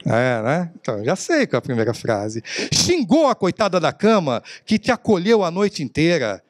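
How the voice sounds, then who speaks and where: A middle-aged man from Brazil, giving a lively motivational talk and acting out little scenes as he goes. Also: on the high side, moderate pace, dry recording, clean studio sound. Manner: animated, acts out little scenes with his voice. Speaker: motivational speaker. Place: lecture hall.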